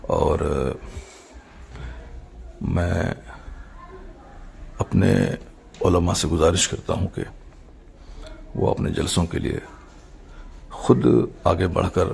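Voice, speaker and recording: Deep, very gravelly male cleric, noisy recording. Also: a little mellow. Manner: measured, halting phrasing with formal Urdu religious vocabulary. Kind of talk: solemn religious address, formal statement.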